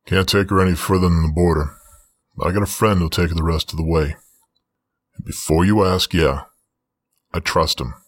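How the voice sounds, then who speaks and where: A man putting on a gruff male creature pilot with a very deep, husky voice, his words slow and clipped. The sound is dry and close, with no room around it. He talks steady and matter-of-fact. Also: no echo. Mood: flat reassurance.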